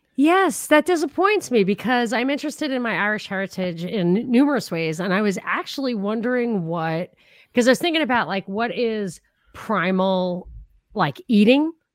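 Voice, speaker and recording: A woman talks at a moderate pace with a fairly high pitch and very wide swings in pitch. The recording is very clean, with a silent background. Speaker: political news commentator. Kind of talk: casual chat.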